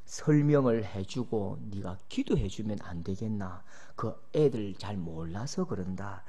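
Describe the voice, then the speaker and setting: Man putting on a deep, slow voice of God. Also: lively intonation, dark tone, husky, full character voice. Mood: solemn. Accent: Gyeongsang Korean. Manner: slow, solemn, measured. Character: God as a calm, stern, fatherly elder.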